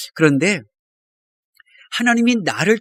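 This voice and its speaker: With lively intonation, a man talks at a moderate pace in a dry, close sound with no echo. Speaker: pastor. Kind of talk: sermon.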